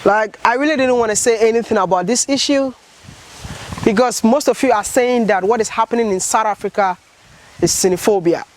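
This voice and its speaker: A man's voice: high voice, brisk, a little hiss or hum, low-quality recording. A man vlogging with earnest, impassioned commentary, asking repeated rhetorical questions.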